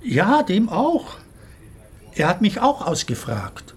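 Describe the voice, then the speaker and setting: A man's voice: high voice, huge pitch swings, takes it slowly, husky, heavily acted. An actor playing a proud retired plasterer in his seventies in a radio play, telling his family's war story earnestly. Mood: somber. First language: Italian.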